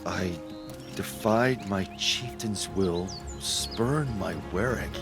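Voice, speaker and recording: An actor playing a brash, battered tribal warrior in a video game, proud and rueful with a theatrical delivery. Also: male voice, fairly low pitch, slow, vocal fry. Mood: dejected. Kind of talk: dramatic video game acting. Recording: loud music under the voice.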